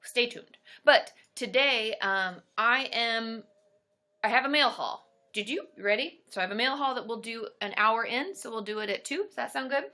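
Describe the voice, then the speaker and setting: A woman's voice: a little high, normal speed, sharp tone. A woman hosting a casual livestream, stuffed up and tired from a cold, chatting and greeting viewers by name. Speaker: therapist and livestream host.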